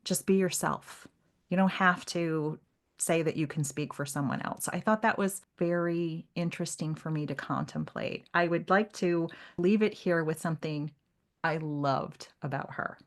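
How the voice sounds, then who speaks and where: A woman's voice: low voice, moderate pace. A woman co-hosting a podcast, talking through literature in a casual, reflective and appreciative way. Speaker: podcast co-host.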